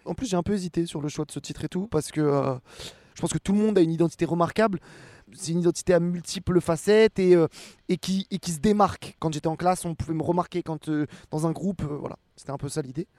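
A man in his twenties from France, an actor and rapper answering interview questions in a relaxed, rambling way with many fillers and restarts. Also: on the high side, fast, no echo. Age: 20s.

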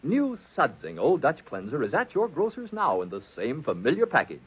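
Polished male radio announcer, lively and emphatic, slightly husky, on a narrow-band vintage broadcast. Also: on the high side, moderate pace. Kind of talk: 1940s radio narration and sponsor announcements. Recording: tinny, hazy 1940s radio recording.

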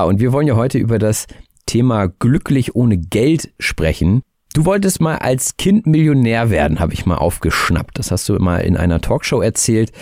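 A man hosting a language-learning podcast, speaking in a measured, clear, teacherly way as he introduces and interviews a guest. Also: mid-range voice, a little mellow, no echo, studio quality. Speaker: podcast host and German teacher. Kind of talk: scripted intro, then interviewing.

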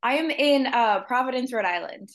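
An upbeat woman author chats about her work from her apartment, her voice sitting a little higher than most women's. She talks easily and laughs often between her thoughts. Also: expressive, normal speed. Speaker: author guest. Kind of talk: casual interview chat.

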